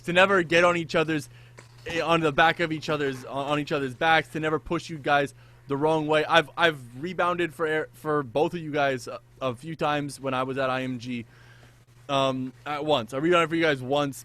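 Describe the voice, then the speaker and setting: A man with a slightly raised pitch hosts a casual sports podcast. He keeps the conversation friendly and chimes in with affirmations and laughter. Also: fairly even intonation, normal speed. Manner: warmly affirming, laughs along. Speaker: podcast host. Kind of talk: casual interview.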